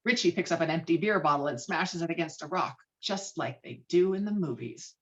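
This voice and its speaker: A woman narrates a table read over a video call, dramatically reading the screenplay's stage directions. Her deep voice is a bit bright, with lively intonation and a slightly fast pace. The call audio is dull and lo-fi.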